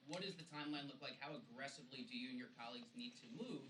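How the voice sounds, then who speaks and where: A man's voice: mid-range voice, very fast. A man, a reporter, putting a question at a press conference, picked up off-mic in a noisy room. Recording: distant, echoey, noisy off-mic pickup.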